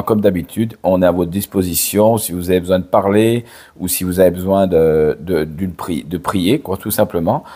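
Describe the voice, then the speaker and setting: An older man, hoarse from a cold, chatting slowly to camera with many hesitations and restarts. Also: deep voice, dark tone. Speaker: father and channel host. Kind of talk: casual direct-to-camera chat.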